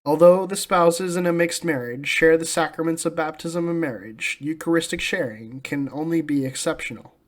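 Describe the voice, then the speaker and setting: A man with an American accent and a somewhat high-set voice delivers religious commentary from a script. His delivery is solemn and declarative, with emphatic stress on his claims. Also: moderate pace, hardly any pauses. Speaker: host of a religious commentary channel.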